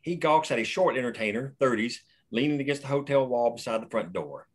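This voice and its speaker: A man's voice: mid-range voice, animated, fairly quick, breathy edge. A man plainly reading the action lines and stage directions at a screenplay table read.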